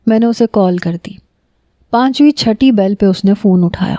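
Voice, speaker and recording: Warm-voiced woman narrating a story. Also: mid-range voice, no room sound, clean studio sound. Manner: emotional, confiding. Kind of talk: first-person story narration.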